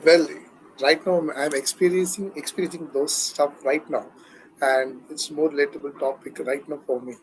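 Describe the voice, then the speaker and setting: A man's voice: a little high, fairly even intonation, moderate pace, a little hiss or hum, poor audio. A man in his thirties from Tamil Nadu with a Tamil-influenced Indian English accent, giving a hesitant impromptu speech. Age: 30s. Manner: hesitant, with many fillers and restarts. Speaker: club member giving a short speech. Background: another person talking in the background.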